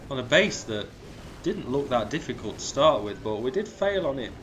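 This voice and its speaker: A man with a cold, sounding croaky and sniffly, casually commentating strategy game replays and calling out percentages. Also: mid-range voice, normal speed, slight background noise. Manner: relaxed, chatty, calls out percentages. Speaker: clan leader commentating war replays.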